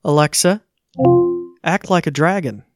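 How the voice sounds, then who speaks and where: A man's voice: on the high side, unhurried, loud music behind the voice. A man giving a casual live tech demo, informal and hesitant, easily amused. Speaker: tech demonstrator.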